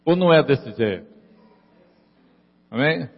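A man's voice: a little high, animated, takes it slowly, creaky, big-room sound, highs cut off. A man preaching a sermon in a church. He repeats his lines for emphasis and keeps asking the congregation "amen?". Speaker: pastor.

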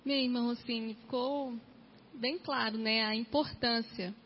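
A woman's voice: a little high, fairly even intonation, measured pace, a little hiss or hum. A woman from the congregation sharing her reflection on the sermon, hesitant and full of tag questions. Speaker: congregation member. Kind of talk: sharing a reflection at a church meeting. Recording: dull, reverberant hall recording.

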